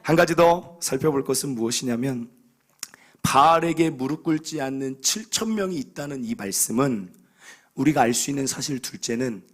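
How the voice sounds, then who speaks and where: A male pastor preaching a sermon in a church, telling scripture stories with animated, acted-out dialogue. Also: medium pitch, moderate pace.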